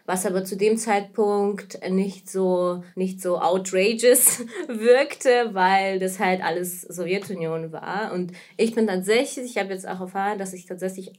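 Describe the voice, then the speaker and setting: A woman's voice: mid-range voice, fairly even intonation, normal speed, few pauses, a little mellow. A woman in her thirties from Kazakhstan, a native Russian speaker, talks in German with a Russian accent in a casual interview as a guest. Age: 30s. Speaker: podcast guest, anti-racism activist and trainer.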